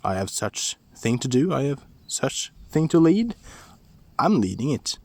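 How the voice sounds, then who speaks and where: A man voicing a cheerful young farm boy hero, calling out excitedly in a high, sing-song voice. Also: unhurried, no echo.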